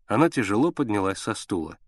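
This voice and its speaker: Male narrator reading a novel, lively intonation, middle pitch, dry close recording. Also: fast, no room sound. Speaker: audiobook narrator. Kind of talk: scripted narration.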